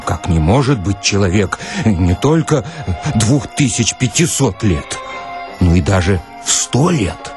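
A man giving a dramatic, expressive literary reading, with theatrical and deliberate phrasing. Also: lowish voice, over music. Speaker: actor reading short stories.

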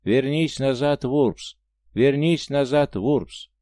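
A man voicing a croaking, bodiless messenger creature that slowly and mechanically repeats one order, as an audiobook character voice. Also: medium pitch, no room sound, clean studio sound, voice pushed up, close to an everyday voice. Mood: droning command. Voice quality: croaking, quiet. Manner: slow mechanical repetition.

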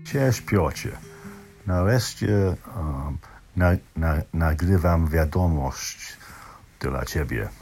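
An older man in his sixties or beyond speaks Polish with an English accent, haltingly, with hesitations and repeated, broken-off words, as in a personal voice message. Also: a bass voice, darkish tone, soft background music. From southern England. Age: 60s or older. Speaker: language learner sending a recorded message.

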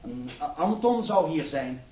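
A man's voice: a little high, very animated, measured pace, warm tone. A timid, hesitant burglar's sidekick in a radio play. He stumbles over his words in a roomy, echoing space. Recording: echoey, distant radio play recording.

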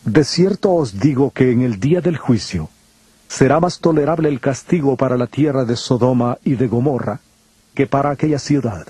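A man playing Jesus as a solemn, authoritative teacher, exhorting in measured phrases in a dramatized scripture reading. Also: medium pitch, dark tone, slightly rough, dry recording. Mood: grave, warning.

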